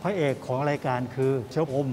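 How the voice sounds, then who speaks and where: A male head chef speaks fast and politely as he walks through each dish on a food show. His voice sits mid-range, with a music bed clearly audible under him in a bright restaurant. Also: medium pitch. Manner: polite, brisk, ends with polite particles. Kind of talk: explaining dishes on a food show. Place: bright restaurant dining room.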